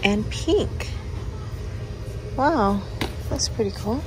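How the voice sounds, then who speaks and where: A woman's voice: a little high, lively intonation, drawn-out words. A woman filming a shop-with-me vlog inside a store on a handheld phone, chatty and exclaiming over items. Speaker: vlogger. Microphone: handheld phone camera. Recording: store noise behind.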